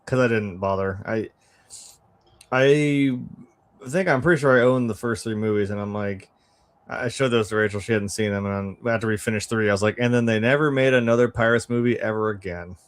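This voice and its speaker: Low-voiced man, laid-back and slangy. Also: steady tone, fairly quick. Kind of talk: casual film chat.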